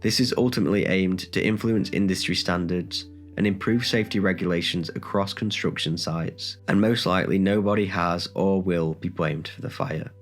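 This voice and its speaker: Very deep-voiced man narrating with a cold. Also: normal speed, few pauses, soft background music. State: has a bad cold. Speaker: channel host and narrator. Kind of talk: scripted documentary narration.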